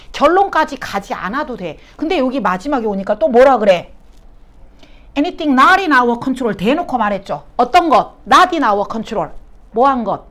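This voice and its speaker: A woman's voice: high voice, a bit bright. A woman teaching English exam questions. She keeps asking her students questions and then answers them herself, and she drops English phrases into her explanations.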